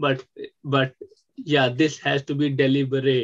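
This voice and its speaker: The man's pitch is fairly high. The sound is dry and close, with no echo. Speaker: stammering interview host. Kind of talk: interview questions.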